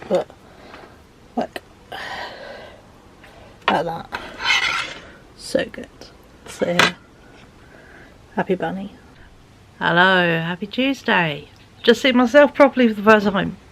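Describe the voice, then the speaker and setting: Rambling woman with a lowish voice. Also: slight background noise, low-quality recording. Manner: rambling, lots of fillers, drops to whispers. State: tired voice. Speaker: vlogger. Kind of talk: chatty vlog monologue.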